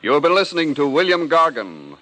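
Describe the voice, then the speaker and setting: A man's voice: fairly high pitch, sing-song, brisk, pushed and bright, rough recording. A man announcing a 1950s radio mystery drama over music.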